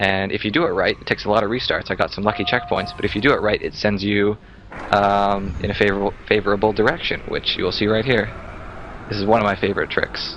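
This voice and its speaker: Amid noticeable background noise, a man with a fairly low pitch speaks at a very fast pace. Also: ordinary pitch variation. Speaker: speedrunner giving game commentary. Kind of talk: group commentary over gameplay.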